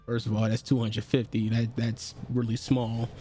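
A man's voice: mid-range voice, completely flat delivery, normal speed, mellow, slight background noise. A man with an African American English accent hosting a live podcast in casual group chat. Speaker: podcast host.

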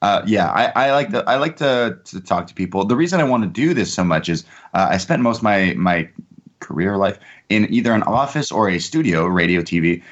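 Hungover man, low voice, dull audio. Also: lively intonation, fairly quick. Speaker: podcast co-host, trainee bartender. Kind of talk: casual podcast chat.

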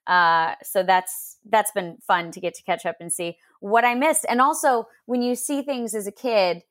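A woman with a medium-pitched voice that tends to get lost speaks at a moderate pace in casual chat. She talks reflectively and thoughtfully, with many fillers and restarts.

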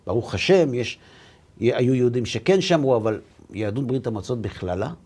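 A man, a rabbi and lecturer, telling stories in a conversation and acting out the dialogue with lively voices. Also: medium pitch, slightly rough. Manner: animated, acts out dialogue. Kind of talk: storytelling in a conversation.

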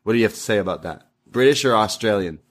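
A young man with a slightly low voice recaps a wrestling show in a relaxed, chatty way. He acts out the wrestlers' lines as he tells them, with plenty of laughs and fillers. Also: quick pace. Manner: lively recap with acted-out quotes. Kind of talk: casual recap chat.

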